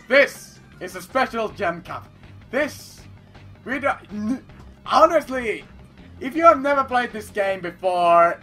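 A man with a high, bright voice gives slow, rambling let's-play commentary, playful and full of repeated phrases. He is not a native English speaker, and he now and then bursts into loud, theatrical declarations. Faint game music plays behind him. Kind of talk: casual gameplay commentary.

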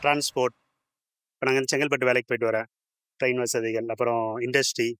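Middle-aged man, quick delivery, points in short phrases, clean close handheld mic. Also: medium pitch, steady tone, a bit bright, smooth, no room sound. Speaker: commuter in street interview. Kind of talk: street vox pop answers. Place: covered footbridge outdoors. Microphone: handheld interviewer mic.

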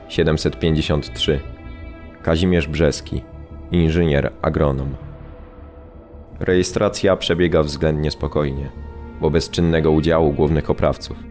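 A grave male prisoner in a radio play. His voice is extremely deep, and he recalls events in measured, restrained phrases over faint music. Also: a little mellow. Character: Polish male camp prisoner recounting his arrival, sombre and restrained. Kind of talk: radio drama memoir narration.

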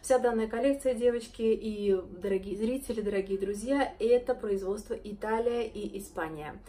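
A woman in her thirties, hoarse from a cold, chattily presenting jewelry to camera in a shop. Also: medium pitch, normal speed, mellow. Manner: admiring, chatty, addresses viewers as girls and friends. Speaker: jewelry seller presenting a collection. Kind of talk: casual sales presentation to camera. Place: jewelry shop with display cases, indoors. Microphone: phone or camera close up, front-facing.

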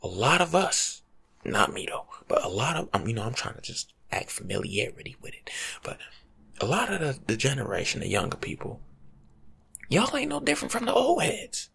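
Husky, half-whispering young American man. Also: mid-range voice, moderate pace. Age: young adult. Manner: slangy, teasing lecturing, animated. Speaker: ASMR creator playing a life coach. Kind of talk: soft-spoken ASMR, casual advice monologue. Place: small home room, seated indoors.

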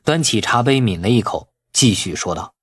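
A man's voice: lowish voice, lively intonation, normal speed, a bit bright, slightly rough. A man narrating a novel as an audiobook in a dramatic, scripted storytelling style.

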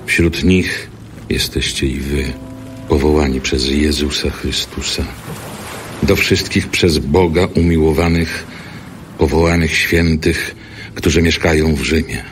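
A man's voice: very deep voice, steady tone, unhurried, a little hiss or hum. An actor playing a solemn, devout apostle reading out his letter in a biblical audio drama. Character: apostle Paul, solemn man dictating a letter.

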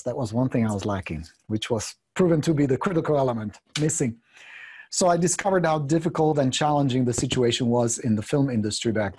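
A man in his fifties with a Czech accent tells his story with a slightly husky, breathy edge. He talks bluntly and jokes a lot, at an everyday male pitch, into a desk microphone in a small studio room. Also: darkish tone. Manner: blunt, profane, joking, gestures a lot. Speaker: guest real estate coach. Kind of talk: candid storytelling in a video interview. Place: indoor studio room with brick wall. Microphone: desk condenser microphone.

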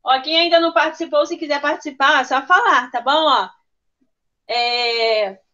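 A woman's voice: high voice, moderate pace, pushed and bright. A woman teacher running an online class for young children, coaxing and prompting pupils by name over a video call. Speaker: first-grade teacher. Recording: dull lo-fi video call audio.

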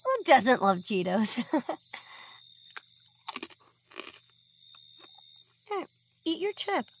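A woman's voice: sits high, noisy background, heavily acted. A woman playing a teasing, bossy but caring young woman in a naturalistic audio drama, coaxing playfully. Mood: playful, casual.

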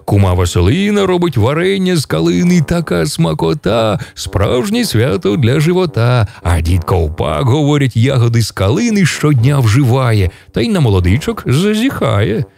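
A man telling a fairy tale to children on a radio program, in an animated, sing-song storytelling manner. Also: medium pitch, vocal fry.

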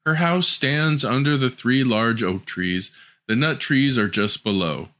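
A man voicing a sweet, trusting little girl in a storybook reading, pitching his voice high and gentle. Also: unhurried, natural voice. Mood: innocent. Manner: high, wide-eyed, gentle.

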